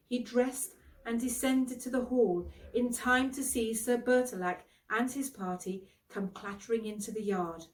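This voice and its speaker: A woman reads a storybook aloud in a medium-pitched voice. Her narration is expressive and dramatic, with deliberate phrasing. She sounds set back from the microphone. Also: far from the mic, low-quality recording.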